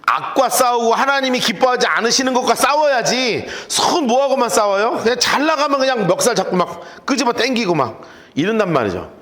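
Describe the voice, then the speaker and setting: A male pastor giving an animated, joking, conversational sermon and telling listeners what to note in their Bibles. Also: very high-pitched, brisk. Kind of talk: sermon with Bible study notes.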